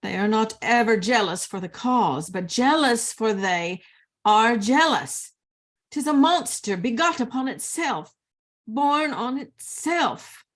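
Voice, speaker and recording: A woman reading the part of a worldly, cynical lady's maid in a Shakespeare play, measured and knowing. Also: on the high side, lively intonation. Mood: wary, knowing. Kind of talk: Shakespeare read-aloud, dramatic verse.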